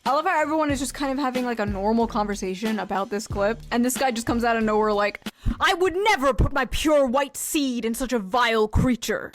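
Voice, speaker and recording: A woman's voice: fairly high pitch, a little fast. A woman giving opinionated video commentary in a sardonic, foul-mouthed way. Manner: sardonic, profane.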